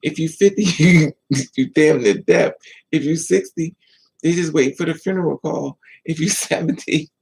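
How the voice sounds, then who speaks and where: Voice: medium pitch, normal speed, gravelly, slightly rough, low-quality recording. A man with an American accent chatting casually and candidly to livestream viewers in a sassy, storytelling manner. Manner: candid, sassy, animated storytelling with mocking quotes. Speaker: livestream host.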